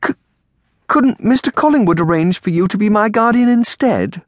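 A man voicing a distraught, pleading eleven-year-old orphan girl in a storybook, tearful and halting. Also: high voice, wildly swooping pitch, dry recording, voice pushed up, heavily acted. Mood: eager, pleading. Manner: tearful, halting, stammering on first words.

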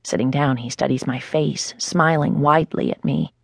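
A woman's voice: sits low, steady tone, moderate pace, vocal fry, dry recording. A woman narrating a first-person novel in a wry, conversational way on a close studio mic. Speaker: audiobook narrator. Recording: dry studio booth.

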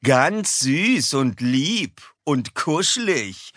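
A man's voice: mid-range voice, takes it slowly, bright, forceful tone, no echo, studio quality, pitched above the performer's own voice. A man voicing a mocking young male bully cat in an audiobook for children. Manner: sneering, mocking. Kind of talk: audiobook character voice.

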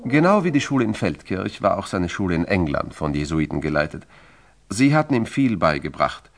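Deep, expressive male narrator. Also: fairly quick, gravelly. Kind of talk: dramatic scripted biographical narration.

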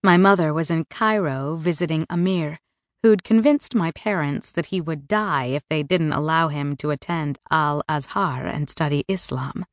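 A woman narrates a first-person novel in a measured, even way, her voice sitting a little low. She is recorded close on the mic in a dead, dry booth with no room sound at all. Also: no room sound. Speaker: audiobook narrator. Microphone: close studio mic.

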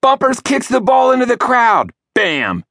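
Wild, high play-by-play announcer, narrator putting it on; dry close read. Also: male voice, wildly swooping pitch, a little slow, creaky, a bit bright, no echo, exaggerated voice. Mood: thrilled. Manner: breathless play-by-play calling. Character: excited boy sports announcer, loud.

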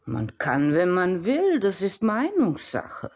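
An actress playing a kind-hearted, homely nursemaid in a radio drama, folksy and fussing. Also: female voice, on the low side, huge pitch swings, slow pace, darkish tone, breathy edge, heavily acted.

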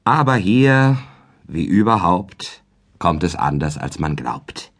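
Husky man reciting comic verse. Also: takes it slowly. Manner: lively, sing-song rhythmic recitation with wide pitch swings. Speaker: audiobook narrator. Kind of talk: scripted narration of a comic verse tale.

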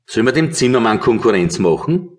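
An actor playing a sardonic police detective in a radio play, terse and colloquial, with an Austrian accent. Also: male voice, mid-range voice, very animated, brisk, natural voice. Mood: dry, sceptical.

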